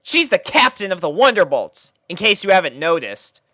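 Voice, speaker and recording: A storyteller voicing a brash, caring, excitable cartoon pegasus pony mare with emphatic, drawn-out announcements. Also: medium pitch, no echo, voice pushed up. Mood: proud, announcing.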